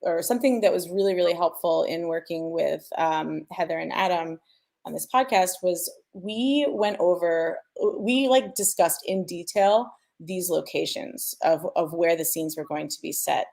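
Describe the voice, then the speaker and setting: A woman with a fairly low voice and plenty of vocal fry explains sound design informally. She thinks aloud as she goes, checking that the listener follows. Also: moderate pace, a little mellow. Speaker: sound designer, panel speaker.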